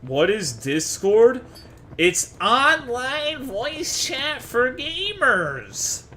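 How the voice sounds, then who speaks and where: In an extremely high, sharp voice with huge pitch swings and drawn-out words, a man from Texas cracks crude jokes with his chat while streaming a game. The talk is brash, profane, and casual.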